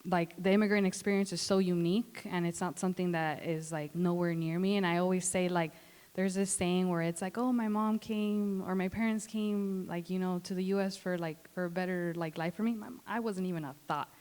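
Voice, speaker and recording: Smooth-voiced young woman, reflective. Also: lowish voice, fairly even intonation, brisk, a little mellow. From Los Angeles. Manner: reflective, heavy use of "like" and "you know". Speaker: panelist. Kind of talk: casual panel talk. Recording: reverberant hall.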